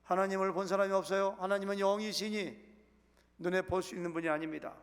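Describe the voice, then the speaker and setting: A man's voice: sits high, flat delivery, fast talker. A male pastor giving a Sunday sermon in a church sanctuary, speaking conversationally and putting questions to the congregation. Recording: reverberant church hall.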